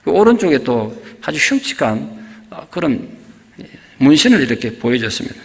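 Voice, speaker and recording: A male pastor tells a story from the pulpit with vivid emotion, his pitch leaping up and down. His voice sits a bit high for a man, and a long reverb fills the church sanctuary around it. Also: very animated, normal speed, creaky. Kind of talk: sermon storytelling.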